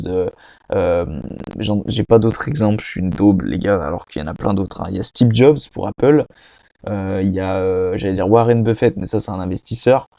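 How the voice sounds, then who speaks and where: A man's voice: lowish voice, dark tone, no echo. A young man hosting a casual self-help podcast, talking straight to the listener in a rambling way, full of fillers and restarts. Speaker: podcast host.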